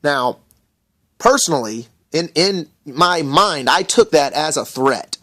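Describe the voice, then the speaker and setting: A man's voice: a little high, expressive, slow, pushed and bright, dry recording, clean studio sound. An American man casually recounting an incident to camera in a rambling, indignant rant full of fillers. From USA.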